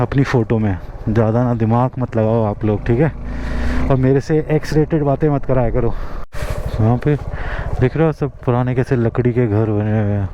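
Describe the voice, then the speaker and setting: A man's voice: mid-range voice, warm tone, dull audio, a little hiss or hum. A man with an Indian accent chatting casually as a travel vlogger outdoors, slipping English phrases into his talk. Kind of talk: casual vlog chat. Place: outdoors in a mountain valley. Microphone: camera's built-in mic after the mic battery died.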